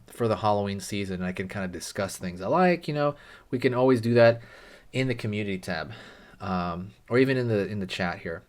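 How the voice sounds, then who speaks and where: A man hosting a casual drawing tutorial, talking loosely with lots of fillers and friendly asides while he draws. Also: lowish voice.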